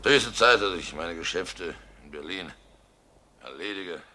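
An actor playing a troubled, grumbling widowed innkeeper in a German radio drama, speaking in a halting, weary way. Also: male voice, sits low, animated, noisy background. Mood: resolving, weary.

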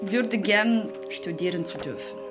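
A woman's voice: medium pitch, measured pace, music in the background. A woman casually retells things, searching for her words. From Uzbekistan. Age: 20s. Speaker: interviewee.

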